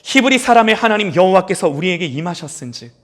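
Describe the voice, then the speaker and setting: A man's voice: high voice, big pitch swings. A solemn commanding God, voiced by a male pastor. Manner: slow, solemn. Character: commanding God speaking to Moses.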